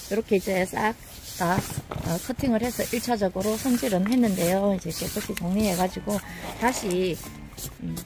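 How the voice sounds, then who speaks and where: With music in the background, a woman in a Gyeongsang accent speaks at a medium pitch and moderate pace, with ordinary pitch variation. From Gyeongsang, South Korea. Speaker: succulent grower. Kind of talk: casual gardening talk to camera.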